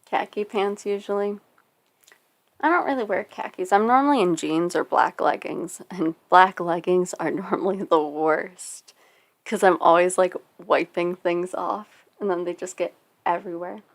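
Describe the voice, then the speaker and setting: A young woman talks quietly and unhurriedly as she draws on a home stream, her voice sitting a little low. She hesitates often with soft ums. The sound comes through a cheap desktop condenser mic. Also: steady tone, measured pace. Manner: speaks quietly and softly, with many hesitant ums. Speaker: art streamer. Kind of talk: casual chat while drawing. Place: at home, family nearby.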